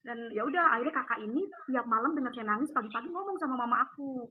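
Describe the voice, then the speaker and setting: A woman tells her faith testimony over a call, in an emotional, rushed, vivid way. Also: fairly high pitch, expressive. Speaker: guest giving a faith testimony. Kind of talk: casual storytelling over a call. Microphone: phone or video call. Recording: tinny phone line with faint hiss.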